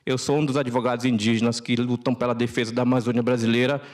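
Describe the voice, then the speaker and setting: Deliberate man. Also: medium pitch, flat delivery. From Roraima, Brazilian Amazon. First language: Macuxi. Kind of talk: solemn prepared speech to an audience.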